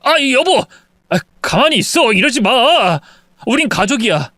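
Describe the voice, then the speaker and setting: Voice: mid-range voice, big pitch swings, measured pace, pushed and bright, dry recording, clean studio sound, exaggerated voice. A performer voicing a husband from a family of thieves who pleads with his wife in a wheedling way. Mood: pleading.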